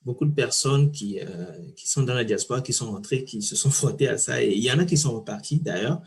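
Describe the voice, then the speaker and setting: A man hosts an interview in an easygoing, conversational way. His voice sits at a middle pitch, and he hesitates often and repeats himself as he shapes his thoughts. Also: brisk. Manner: relaxed, with many fillers and repeated words. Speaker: podcast host. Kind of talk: casual interview chat.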